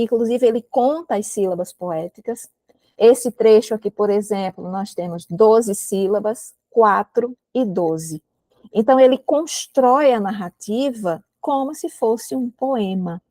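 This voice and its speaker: A woman with a Brazilian Portuguese accent gives a literature lesson, explaining step by step and often pausing to check that students follow. Her voice sits at a middle pitch and sounds dry and close, with no room echo around it. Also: dark tone. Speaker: literature teacher. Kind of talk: recorded prep-course lecture. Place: indoor room with a window, rain outside.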